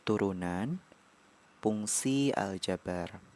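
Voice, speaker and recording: A man explaining algebra derivatives as a tutor, in a measured lecture with pauses between short phrases. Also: fairly low pitch, darkish tone, a little hiss or hum. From Indonesia. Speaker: math tutor.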